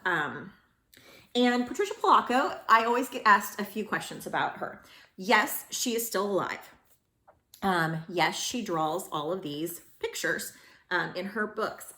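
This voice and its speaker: A woman speaking as a school librarian who reads storybooks aloud to children in an expressive way. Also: medium pitch, echoey room. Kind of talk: storybook read-aloud with informal introduction.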